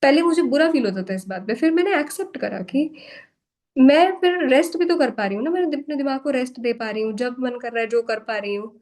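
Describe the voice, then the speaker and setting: A woman's voice: high-pitched, brisk, darkish tone, rough recording. Frank young Indian woman leading a workshop. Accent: Indian English. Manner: frank, self-deprecating, mixing Hindi and English. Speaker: workshop host. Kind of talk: casual motivational talk to a live online class. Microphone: video call.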